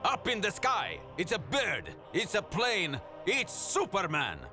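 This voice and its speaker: A proud Soviet propaganda announcer, grandiose and menacing. The voice is high and sweeps dramatically up and down over clear music. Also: male voice, huge pitch swings, takes it slowly, heavily acted. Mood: triumphant. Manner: grandiose, declamatory.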